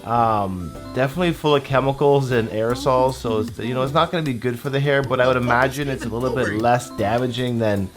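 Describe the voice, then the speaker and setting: A man in his thirties giving a casual review in a measured, laid-back way. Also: mid-range voice. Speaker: YouTube host. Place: small home room with desk and shelves, indoors. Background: guitar music.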